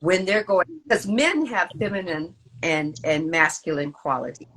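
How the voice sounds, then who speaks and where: A woman's voice: on the low side, animated, a bit bright, a little hiss or hum, low-quality recording. A woman hosting a podcast, asking a long question with many hesitations. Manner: halting, many "uh" pauses. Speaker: podcast host. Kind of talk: casual podcast interview.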